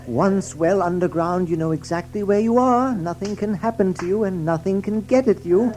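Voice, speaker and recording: Children's audio drama: polite, wonderstruck male mole, played by a man, warm dark tone, earnest and admiring. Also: high-pitched, natural voice, low-quality recording.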